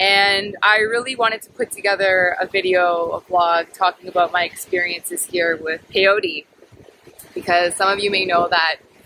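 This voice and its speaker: Over noticeable background noise, a woman talks at a moderate pace with fairly even intonation, the sound dry with no echo. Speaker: vlogger. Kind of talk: casual vlog chat. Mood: relaxed, reflective. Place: beach. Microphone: earbuds.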